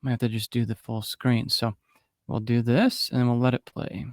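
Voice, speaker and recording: A male interview host with a middle-pitched voice, talking in a relaxed, conversational way. The sound is dry and close, with no room echo. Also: normal speed. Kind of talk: casual interview chat.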